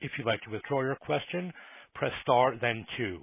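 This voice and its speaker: A male conference operator delivers scripted instructions formally. His voice sits at a middle pitch with a husky edge, and the narrow telephone band makes it sound thin and tinny. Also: animated, moderate pace. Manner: formal, procedural. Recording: tinny narrow phone line.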